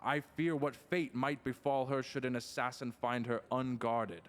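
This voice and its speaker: Long hall reverb, man playing stern fantasy king, middle-aged, medium pitch, formal archaic diction, solemn, commanding. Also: fairly even intonation, moderate pace, natural voice. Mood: worried, tender. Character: stern, commanding medieval king, protective father. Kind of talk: fantasy audio roleplay acting.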